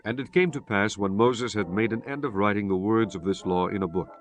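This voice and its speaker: Male scripture narrator, lowish pitch, formal and measured, solemn scripted read over soft music.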